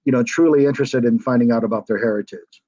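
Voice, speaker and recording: A man's voice: mid-range voice, fast, dark tone, dry recording, lo-fi sound. An American man chatting as a guest over a video call, hesitant and rambling with lots of fillers and restarts. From United States. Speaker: guest, former reality show contestant. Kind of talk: casual video call chat.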